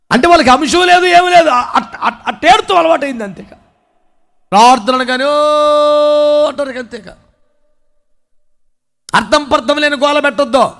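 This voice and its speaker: Very high-voiced male pastor preaching. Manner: emphatic, rapid rhetorical questions, scolding then exhorting. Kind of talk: sermon.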